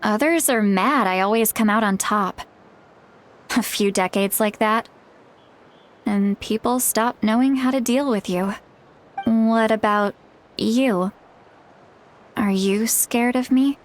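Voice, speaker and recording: A woman's voice: a little high, slow pace, long pauses, slight background noise. An actress playing a frank, self-deprecating tribal elder woman in a video game, speaking casually with wry, hesitant asides. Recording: music behind the voice.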